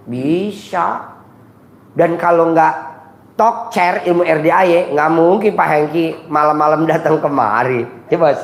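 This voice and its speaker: A man's voice: a little high, moderate pace. A man hosting a live advice session, teasing the audience with crude jokes and calling people "Bos". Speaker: host giving advice sessions. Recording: echoey room with faint ambience.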